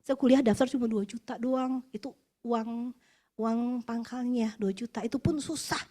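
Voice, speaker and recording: Woman in her 40s from west java, high voice, chatty expressive church testimony, laughs between points. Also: moderate pace. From West Java, Indonesia. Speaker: guest speaker at an office worship meeting. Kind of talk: personal testimony sermon.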